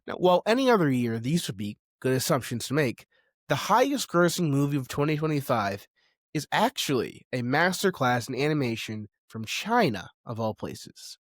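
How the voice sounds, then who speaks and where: Male video essay host, average pitch, conversational yet emphatic commentary, very little room sound. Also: sing-song, moderate pace, no room sound, studio quality.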